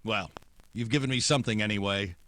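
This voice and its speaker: An actor playing a hard-boiled American private detective in 1940s noir radio style, wry, clipped and dogged. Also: male voice, fairly low pitch, fairly quick, pushed and bright, no room sound. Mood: polite, probing. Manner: wry, clipped, tough-talking. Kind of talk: 1940s noir radio drama acting and narration.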